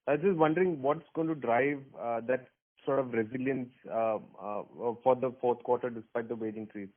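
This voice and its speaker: A man asking questions as an analyst on a conference call, hesitant and pausing often between phrases. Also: mid-range voice. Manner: hesitant, drawn-out pauses. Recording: tinny phone line.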